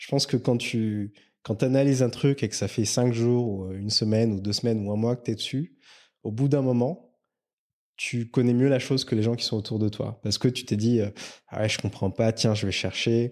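A man at medium pitch with fairly even intonation and a moderate pace, on a very clean recording with a silent background. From Madagascar. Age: 30s. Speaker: asset management partner. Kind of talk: interview. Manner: halting, frequent repetitions.

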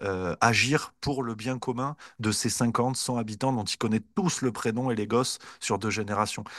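In a quiet background, a man talks at a moderate pace and medium pitch with ordinary pitch variation. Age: 20s. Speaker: online news commentator and comedian. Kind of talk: interview. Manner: halting.

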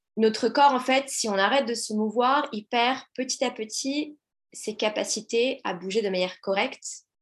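Against a quiet background, a woman with a normal speaking voice talks at a moderate pace, with a fairly high pitch and ordinary pitch variation. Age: 20s. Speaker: yoga teacher and mobility coach. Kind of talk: podcast interview.

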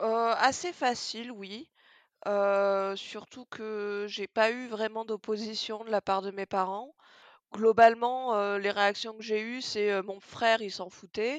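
At a very slow pace, a woman with a fairly high voice speaks with fairly even intonation and big swings in loudness, recorded dry and close with no echo on a very clean recording with a silent background. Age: 20s. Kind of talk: interview. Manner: hesitant, many fillers.

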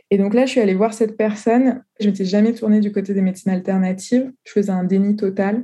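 A woman's medium-pitched, somewhat breathy voice with a dark, mellow tone, very fast pace, hardly any pauses, big swings in loudness, and monotone, flat intonation. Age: 30s. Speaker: medium and shamanic practitioner. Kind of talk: interview.

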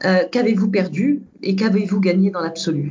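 A woman with a medium pitch sounds somewhat breathy. She talks at a fairly slow pace with lively intonation. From Lebanon, Beirut. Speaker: visual artist. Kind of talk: interview. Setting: video call. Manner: halting, frequent fillers and repetitions. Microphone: remote call audio quality.

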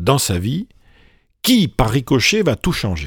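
A man's medium-pitched voice with vocal fry and very wide pitch swings at a very slow pace, dry and close with no echo, in a very clean recording with a silent background. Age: 60s. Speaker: professor. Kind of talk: interview.

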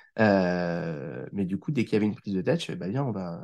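Very fast and full of very wide pitch swings, a man talks in a dark, mellow tone at a fairly low pitch. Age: 40s. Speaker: meditation teacher and business founder. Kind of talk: casual chat. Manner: animated.

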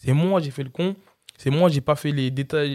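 A man with a fairly high pitch speaks in a fairly even intonation. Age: 20s. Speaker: professional MMA fighter. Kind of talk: casual interview. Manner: calm.

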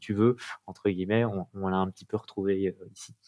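A man speaks at a moderate pace in a fairly low register. His intonation stays monotone and flat. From Paris region, France. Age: 30s. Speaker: entrepreneur. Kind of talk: interview conversation. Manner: halting, many repetitions and fillers.

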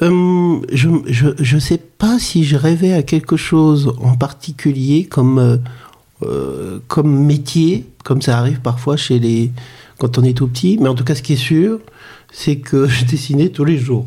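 A man's very slow, somewhat breathy voice, dark and mellow in tone, fairly high in pitch, with very even loudness. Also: ordinary pitch variation. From Paris region, France. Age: 50s. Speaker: art director and photographer. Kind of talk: interview conversation. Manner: hesitant, many fillers and repetitions.

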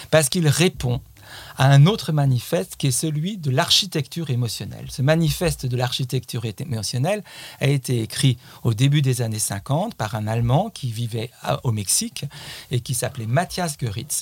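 Somewhat breathy, a man speaks at a moderate pace on a very clean recording with a silent background. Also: medium pitch for a man, lively intonation. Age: 60s. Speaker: landscape gardener and author. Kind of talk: casual chat. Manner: halting.

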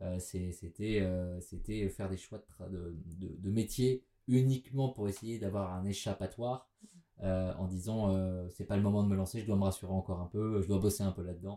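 His intonation stays fairly even. This man's tone is dark and mellow. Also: fairly low pitch for a man, moderate pace. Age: 30s. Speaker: interior design startup founder. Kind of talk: casual interview. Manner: halting.

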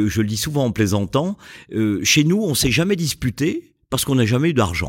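Very wide pitch swings mark this man's speech, captured in a very clean recording with a silent background. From France, Jura (Bresse jurassienne). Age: 60s. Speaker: sales trainer. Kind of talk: interview. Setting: school premises. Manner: animated; hypnotic cadence.

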